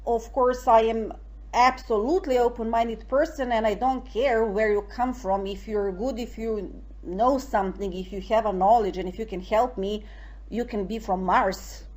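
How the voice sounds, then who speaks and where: A woman's voice: a little high, moderate pace. Serbian-accented woman telling her story. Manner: emphatic, animated, lots of "you know". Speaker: interview guest, network marketer. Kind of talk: casual interview storytelling.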